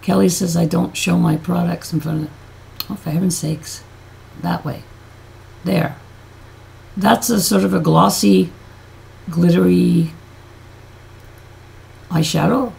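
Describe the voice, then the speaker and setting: A woman with a deep, throaty voice chatting in a rambling, self-deprecating way on a casual beauty vlog; her voice has changed and she can't hit high notes. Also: steady tone, slow, gravelly, pauses often, darkish tone. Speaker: beauty vlogger.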